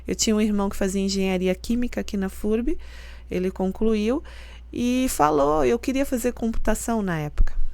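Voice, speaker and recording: Her voice is on the high side and gravelly, moderately paced, recorded with no echo. This middle-aged rector from Santa Catarina, Brazil, gives earnest, lengthy explanations in a casual interview, laughing softly now and then.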